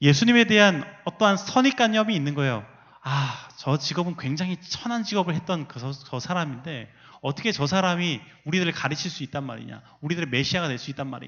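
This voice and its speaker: A man talks at a fairly quick pace with lively intonation and a fairly high pitch. It is a plain, everyday voice. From South Korea, Yongin. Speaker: pastor. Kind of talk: sermon.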